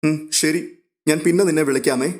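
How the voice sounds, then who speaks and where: A man's voice: a little high, fairly even intonation, normal speed, lightly acted. A man voicing an anxious, emotional young woman whose voice wavers as she talks. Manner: soft, hesitant, breaking voice.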